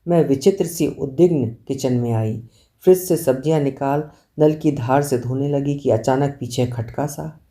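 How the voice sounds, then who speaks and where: Brief: female storyteller, warm mellow tone, expressive literary reading. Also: rumbling low, normal speed. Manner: expressive storytelling, acting out dialogue. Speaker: story reader. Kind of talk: scripted literary narration.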